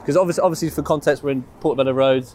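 Man, rapid-fire delivery, informal interviewer, matey, casual, sweary. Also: a little high, a little mellow.

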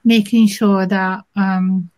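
A woman with an Italian accent, an interview guest who explains things in a measured, thoughtful way with many pauses. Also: medium pitch, level tone, darkish tone. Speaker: interview guest, inclusion manager. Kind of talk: conversational interview.

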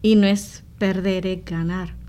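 A woman's voice: medium pitch, fairly even intonation, a little slow, dark tone. A woman from Rico, talking earnestly and explaining things as a missionary guest in an interview. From Puerto Rico. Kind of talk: conversational interview testimony.

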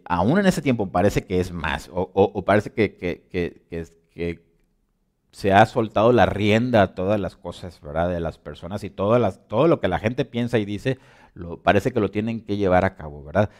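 A man preaching a conversational sermon, asking many rhetorical questions and often restarting his words, with sudden loud emphasis and quiet low asides. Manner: dramatic swings between loud emphasis and soft low asides.

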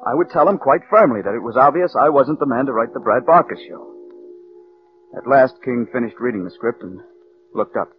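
A man's voice: mid-range voice, animated, fairly quick, close to an everyday voice. An actor playing a driven, resentful male scriptwriter who narrates his own story in a 1940s radio drama. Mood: brooding. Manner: brooding first-person narration. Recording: dull old radio broadcast with music.

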